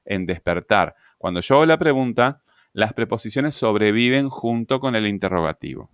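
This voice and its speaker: A man's voice: on the low side, animated, clean tone, no room sound, clean studio sound. A man explaining grammar in a recorded lesson, hesitating often and checking in with tag questions. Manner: halting, many fillers and tag questions. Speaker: grammar teacher.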